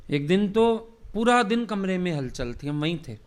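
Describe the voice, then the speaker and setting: Man telling devotional stories, fairly high voice. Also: sing-song, normal speed. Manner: reminiscing, acts out quoted dialogue. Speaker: spiritual teacher leading a satsang. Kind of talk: devotional storytelling sermon.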